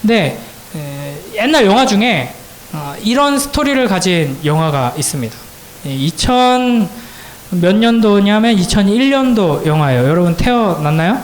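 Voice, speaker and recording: A man with a high voice preaches to teenagers in a church hall, and the sound carries an echo. He tells a story in a conversational way, then builds into fervent preaching. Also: very animated, moderate pace. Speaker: youth pastor. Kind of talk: sermon to high school students.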